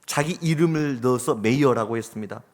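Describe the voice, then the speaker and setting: A male pastor preaching a sermon, dramatic and swinging from hushed to loud. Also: medium pitch, fairly quick. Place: church sanctuary. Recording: long church hall reverb.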